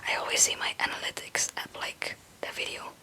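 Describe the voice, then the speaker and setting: A young woman from Belgium, a non-native English speaker, whispering a casual, hesitant and meandering ASMR chat in a breathy voice. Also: a little fast, sharp tone. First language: not English. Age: young adult. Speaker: ASMR video creator.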